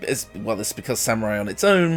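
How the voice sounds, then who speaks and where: Faint music sits behind this fast, sing-song, lowish male voice. A gaming video creator, he gives casual commentary for a character build guide, explaining informally while ill, his voice recovering after he lost it.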